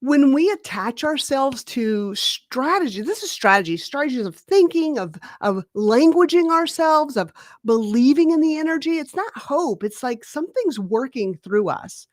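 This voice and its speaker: A woman's voice: high-pitched, moderate pace, no echo, clean studio sound. A middle-aged woman, a career coach, telling a story as a guest and acting out the dialogue with energy. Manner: animated, acts out dialogue in the stories. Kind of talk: conversational storytelling.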